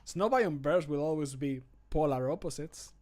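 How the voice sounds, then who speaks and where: A mock-sincere fantasy game character, acted by a man, with a slightly high male voice. Each scripted line is delivered deliberately and emphatically, with a punster's wryness. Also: darkish tone, lightly acted. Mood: wry, punning.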